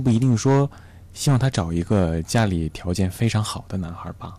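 Lively intonation marks this man's fairly low voice. He keeps a moderate pace. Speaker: university student guest. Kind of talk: radio call-in advice chat. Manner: hesitant, many fillers.

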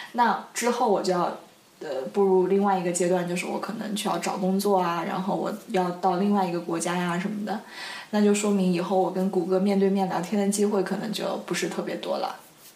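A woman's medium-pitched voice, flat and monotone, at a fairly quick pace amid audible room echo and noticeable background noise. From China. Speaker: student podcast host. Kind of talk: casual chat.

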